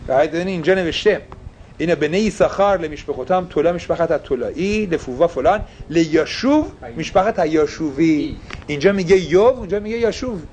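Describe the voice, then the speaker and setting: A man's voice: high voice, darkish tone. A man teaching a casual religious class, asking his listeners questions and slipping English phrases into his talk.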